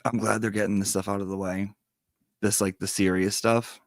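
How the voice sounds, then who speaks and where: A man's voice: fairly low pitch, flat delivery, normal speed, no echo, clean studio sound. A man with whistling s sounds, chatting casually as a livestream host and reading out viewer messages.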